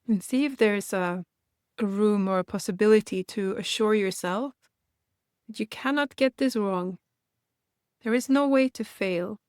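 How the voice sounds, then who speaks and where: A woman guiding a meditation for beginners in a gentle, reassuring manner, leaving unhurried pauses between phrases. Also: medium pitch, smooth, dry recording, clean studio sound. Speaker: meditation guide and host. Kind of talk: guided meditation, gently instructional.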